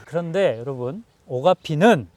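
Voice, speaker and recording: A man, a herbal medicine professor, lively and teacherly, explaining herbs outdoors on a farm and quizzing the people with him. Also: a little high, normal speed, noisy background.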